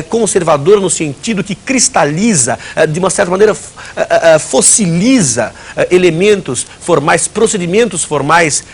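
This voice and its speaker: A man with a slightly raised, husky voice gives a recorded lesson to students. He talks in loose spoken runs full of fillers and restarts and slips in ironic asides along the way. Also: fairly high pitch. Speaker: teacher.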